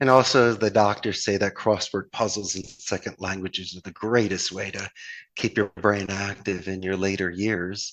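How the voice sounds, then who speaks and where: A man with an American accent speaks at a moderate pace and fairly low pitch. The background is quiet. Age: 50s. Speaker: call center owner. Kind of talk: casual chat.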